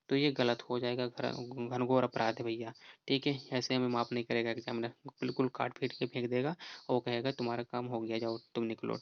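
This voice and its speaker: Guy explaining grammar rules, even flat delivery, kinda muffled dry sound. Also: mid-range voice, smooth, no room sound. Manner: explanatory, repeats "theek hai?" often, reads rules slowly. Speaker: teacher. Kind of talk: exam-prep grammar lesson.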